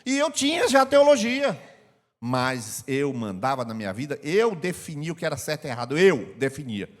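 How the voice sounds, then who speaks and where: A man's voice: a little high, big pitch swings, normal speed. An older man with a Brazilian Portuguese accent preaching a sermon in a church hall, talking conversationally and repeating phrases for emphasis. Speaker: pastor. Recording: long church-hall reverb.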